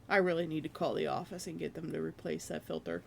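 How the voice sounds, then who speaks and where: A streamer chatting casually with viewers from their room at home, rambling and laughing at themselves, with a hoarse voice that is giving out. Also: mid-range voice, fairly even intonation, moderate pace, bright, forceful tone, a little hiss or hum. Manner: rambling, self-deprecating, laughs often. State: hoarse, losing voice.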